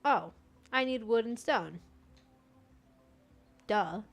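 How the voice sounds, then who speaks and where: Soft background music plays as a young woman streams a game, chatting with viewers and talking to herself in a casual way. Her voice is a little high with lively intonation, delivered very slowly; she's from the United States and her first language is Persian.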